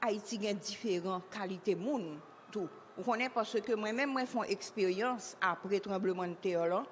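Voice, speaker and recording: A woman's voice: medium pitch, moderate pace. A woman tells a personal story in a plain, loose way. Her voice sits in the middle. It carries a long reverberation and a faint hiss. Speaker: interviewee. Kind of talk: casual personal account. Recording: reverberant hall.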